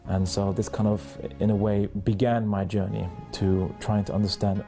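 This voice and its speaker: Gravelly, low-voiced man with halting speech. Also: flat delivery, dark tone, soft background music. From London, England. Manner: halting, many restarts and fillers, thoughtful. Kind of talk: personal testimony, reflective storytelling.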